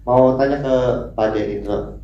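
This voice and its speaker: A man's voice: medium pitch, unhurried. A man, a journalist, asking a direct question at a press conference. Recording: dull echoey room with faint noise.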